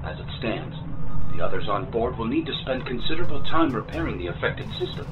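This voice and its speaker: An actor voices a composed computerised assistant in a sci-fi radio play. The phrasing is formal and precise, with a very animated pitch range. Music runs behind the voice. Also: brisk, lo-fi sound, close to an everyday voice. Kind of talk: audio drama acting.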